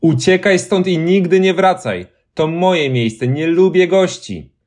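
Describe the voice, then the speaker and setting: Guy doing a high squealy ghost lady from a kids story, bossy and nosy, kinda husky. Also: expressive, a little slow, darkish tone. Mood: stern. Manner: high, exclaiming, mock-haughty.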